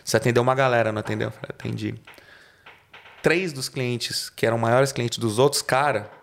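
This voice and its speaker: Fast-talking gravelly Brazilian man. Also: medium pitch. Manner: animated, slangy, acts out quoted dialogue. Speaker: podcast guest, car salesman. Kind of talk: casual storytelling.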